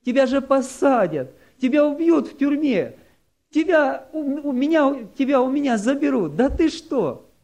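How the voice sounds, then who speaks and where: A man's voice: very high voice, animated, normal speed, darkish tone, voice pushed up. A man voicing an anxious Christian mother who pleads tearfully with her soldier son. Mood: distraught pleading.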